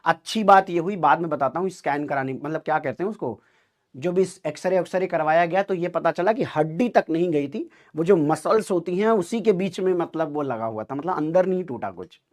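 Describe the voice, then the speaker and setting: A man telling students a story in an animated, dramatic way, acting out the dialogue. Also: fairly high pitch, a little fast. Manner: lively, dramatic, acts out dialogue.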